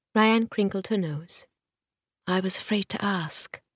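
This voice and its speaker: A woman's somewhat breathy, medium-pitched voice at a fairly slow pace, on a very clean recording with a silent background. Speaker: audiobook narrator. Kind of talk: literary audiobook reading. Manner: steady, warm, storytelling pace.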